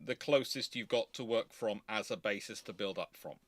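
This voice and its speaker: A man's voice: fairly low pitch, normal speed, a bit bright, no room sound. A man giving casual live commentary, explaining things emphatically and repeating himself to qualify each point carefully. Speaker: host of naval history live Q&A.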